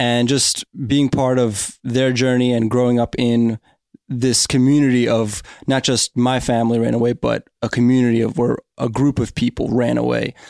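A man with a Philadelphia accent, medium-pitched and monotone, at a moderate pace and very even loudness, in a dry, close sound with no echo. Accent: Philadelphia American. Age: 20s. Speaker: podcast co-host. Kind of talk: casual discussion.

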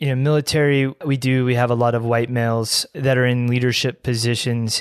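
Against a quiet background, a man with a normal speaking voice talks at a moderate pace in a medium pitch. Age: 30s. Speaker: podcast host, military officer. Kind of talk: interview; scripted intro and outro.

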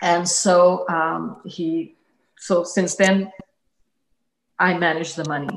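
Using a monotone, flat intonation, a woman with a fairly low voice speaks at a very slow pace with long, frequent pauses. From India. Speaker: Hare Krishna devotee. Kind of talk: interview. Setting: video call.

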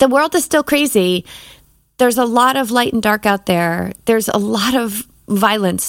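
A woman with a fairly high pitch talks at a moderate pace in an ordinary speaking voice, on a very clean recording with a silent background. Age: 50s. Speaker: mindset coach and podcast host. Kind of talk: solo podcast monologue.

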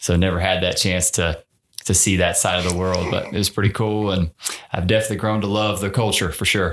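Talking at a fairly quick pace, a man with a Southern US accent has a very deep, low pitch and a monotone, flat intonation. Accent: Southern US (Georgia). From US South, Georgia (Athens). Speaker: entertainment venue sales director. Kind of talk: interview. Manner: hesitant, many fillers.

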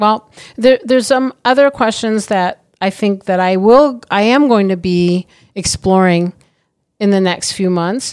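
A woman speaks in a normal speaking voice at a medium pitch and fairly slow pace. The sound is dry and close with no echo, and her pitch varies in an ordinary way. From US Midwest (South Bend, Indiana). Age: 50s. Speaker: podcast co-host. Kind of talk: casual chat.

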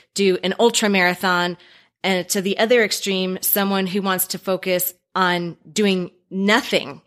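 A woman's plain, everyday voice in an American accent, medium in pitch, at a fairly slow pace with fairly even intonation, on a very clean recording with a silent background. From US Midwest, Chicago area. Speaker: nurse and health coach. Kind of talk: interview.

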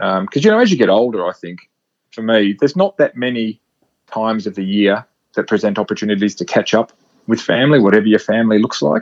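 In an Australian accent, a man speaks very fast at a medium pitch with ordinary pitch variation, the sound dry and close with no echo. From Australia, Victoria. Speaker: mortgage business coach, podcast co-host. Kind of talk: casual chat.

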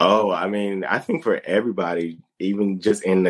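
Fairly low-pitched speech from a man, a normal speaking voice, with fairly even intonation. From Dayton, Ohio, US Midwest. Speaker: HIV advocate. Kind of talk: casual interview. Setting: podcast interview.

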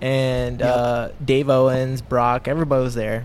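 A man with an American accent talks at a moderate pace. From Minnesota, US. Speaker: MMA fighter. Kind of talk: casual chat.

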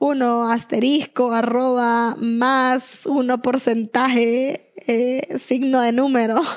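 A woman with a high pitch is heard in a very clean recording with a silent background. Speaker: life coach and podcast host. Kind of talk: solo podcast monologue.

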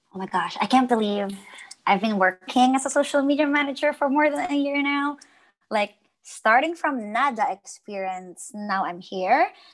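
A woman with a Filipino accent speaks at a high pitch. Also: lively intonation, moderate pace. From Philippines. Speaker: social media manager and influencer. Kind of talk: casual interview.

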